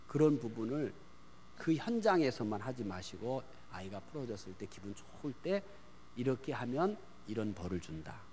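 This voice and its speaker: In a church sanctuary with long reverb, a pastor with a mid-range voice preaches on parenting, posing questions to the congregation and answering them himself while shifting from loud emphasis to hushed near-whispers. Slight background noise is present.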